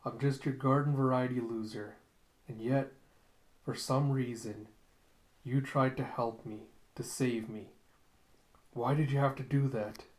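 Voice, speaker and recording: A man's voice: mid-range voice, steady tone, a little slow, long pauses, close to an everyday voice. Man as an anguished, brooding killer, echoey room. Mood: bitter grief. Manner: brooding, bitter, melodramatic. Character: anguished, deranged male killer, self-loathing and vengeful.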